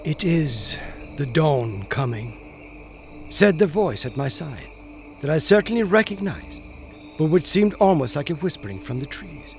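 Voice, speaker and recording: A male horror author reading a classic ghost story aloud in a measured, atmospheric storytelling manner. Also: a little high, big pitch swings, soft background music. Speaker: audiobook narrator and horror author.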